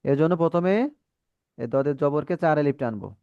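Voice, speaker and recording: A man with a Bangladeshi accent teaching Quran reading in an online class, patiently correcting students and modelling drawn-out syllables. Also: fairly high pitch, animated, smooth, no echo, highs cut off.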